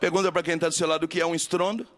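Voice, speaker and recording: High-voiced emphatic Brazilian preacher. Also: male voice, level tone, racing. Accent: Brazilian Portuguese. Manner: emphatic, repetitive, rising to shouted refrains. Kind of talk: sermon. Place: large church camp gathering.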